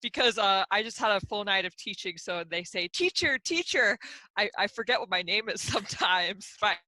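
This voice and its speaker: A young woman in her twenties talks casually on a video call about her teaching. Her voice is very bright and dry, with no room around it. She sounds relaxed and easygoing. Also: medium pitch, normal speed, dry recording. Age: 20s. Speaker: online ESL teacher.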